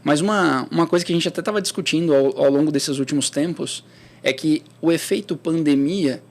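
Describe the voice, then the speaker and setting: Relaxed man. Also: fairly high pitch, a little fast. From interior of São Paulo state, Brazil. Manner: relaxed and conversational, with frequent restarts and rhetorical questions. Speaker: guest, startup accelerator professional. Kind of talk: casual interview chat.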